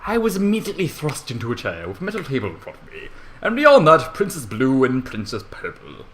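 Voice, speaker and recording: A man's voice: medium pitch, wildly swooping pitch, fairly quick, fairly bright tone, slight background noise. A man narrating a comedic story theatrically, with irreverent, sweary asides. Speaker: amateur fan fiction reader.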